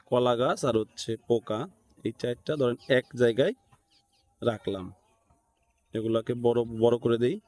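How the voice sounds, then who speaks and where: With a clean tone and medium pitch, a male instructor who has a Bangladeshi accent walks listeners through an informal screen tutorial step by step, thinking out loud and checking in with them along the way.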